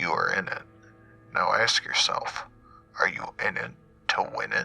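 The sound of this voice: A man booms in a put-on character voice, low in pitch with a bright, sharp tone, a slightly husky edge and vocal fry. He goes at a fairly slow pace with ordinary pitch variation, and faint music plays in the background.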